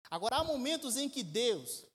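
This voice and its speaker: Pastor preaching in an echoey hall. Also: male voice, very high voice, big pitch swings, normal speed, slightly rough. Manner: emphatic preaching with rhetorical questions, swinging between loud and quiet. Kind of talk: sermon. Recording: echoey church hall with long reverb.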